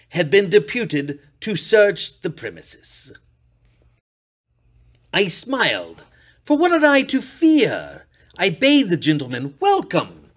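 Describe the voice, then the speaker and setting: A man performing a dramatic storybook reading as an unhinged murderer, theatrical, sliding from hushed purring to shrieks. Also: sits high, full character voice. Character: unhinged male murderer, gloating and paranoid, classic villain. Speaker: reader.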